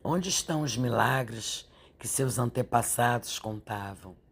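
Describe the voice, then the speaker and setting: A woman, stuffy and nasal from a sore throat, leading a slow, gentle Bible meditation and prayer. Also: a bass voice, vocal fry, a little hiss or hum. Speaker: Bible devotional teacher.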